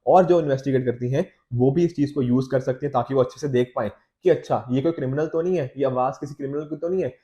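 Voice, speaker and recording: Indian man, mellow voice, slight cold, teacher, conversational explaining, frequent check-in tags. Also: medium pitch, fast, hardly any pauses, lo-fi sound. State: slight cold, sore throat. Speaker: teacher, exam coach. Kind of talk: explanatory lecture on newspaper editorials, Hindi mixed with English.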